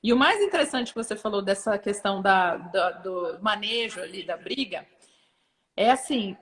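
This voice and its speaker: A woman, an interview guest, explaining in rapid casual chat and acting out parent and child voices. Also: medium pitch, animated, a bit bright. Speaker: guest expert.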